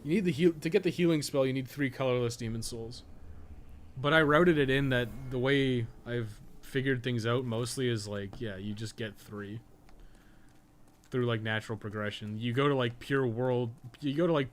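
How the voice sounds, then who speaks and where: A man's voice: medium pitch, fairly even intonation, normal speed. A man giving casual live gameplay commentary, rambling and thinking aloud with casual swearing. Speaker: game streamer and podcast co-host.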